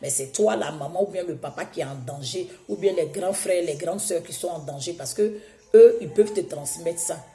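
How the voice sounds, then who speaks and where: A woman preaching a sermon, hoarse from a cold, exhorting her listeners with emphatic repetition. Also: lowish voice, moderate pace, warm tone, roomy sound, soft background music.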